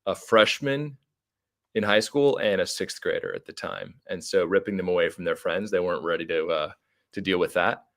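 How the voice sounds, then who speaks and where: A middle-aged man with an American accent speaks in a low voice. He talks as a podcast guest, in a casual storytelling way. His manner is informal and talkative, wandering through asides. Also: moderate pace. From United States (Arizona).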